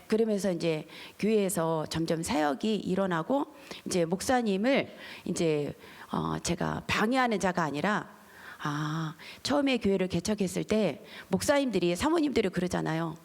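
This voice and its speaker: A middle-aged woman, a pastor's wife, giving a lively testimony sermon at a church service and acting out the voices in her stories. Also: fairly low pitch, normal speed, gravelly. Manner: animated storytelling, acting out quoted voices. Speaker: pastor's wife, guest speaker.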